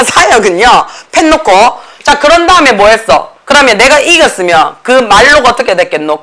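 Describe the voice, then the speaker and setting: A woman with a Gyeongsang Korean accent, teaching an English grammar lecture in a classroom with blunt, animated talk and constant check-ins with students. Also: on the high side.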